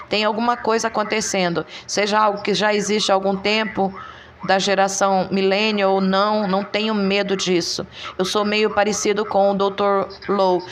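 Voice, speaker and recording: Woman with a flat, even voice-over. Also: mid-range voice, a little hiss or hum. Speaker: voice-over translator. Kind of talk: translated voice-over narration.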